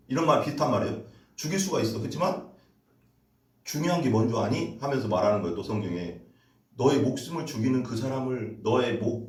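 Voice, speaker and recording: A man's voice: medium pitch, darkish tone. A male pastor preaching a sermon with emphatic rhetorical questions, switching between formal and casual speech. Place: church sanctuary. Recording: echoey church room, voice from a distance.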